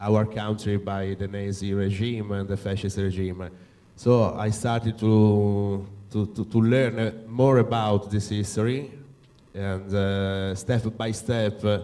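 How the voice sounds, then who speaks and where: This man speaks at a very slow pace in an Italian accent, his intonation monotone and flat. His pitch is fairly low and his tone dark and mellow. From Italy. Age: young. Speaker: documentary filmmaker. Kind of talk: interview. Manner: halting, many fillers.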